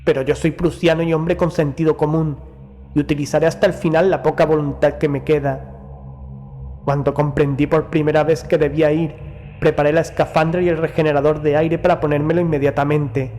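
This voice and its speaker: A man's voice: a little high, flat delivery, mellow, a little hiss or hum, close to an everyday voice. A man playing a proud, doomed Prussian naval officer, narrating a horror audio story in a solemn, formal manner as madness haunts him. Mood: grimly resigned. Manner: solemn, formal, measured diction. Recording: music behind the voice. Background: music.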